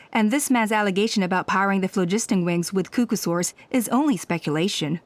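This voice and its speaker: A woman playing a calm, authoritative tribal elder in an anime game, measured and diplomatic. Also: medium pitch, natural voice. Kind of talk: anime game dub acting. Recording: music under the voice.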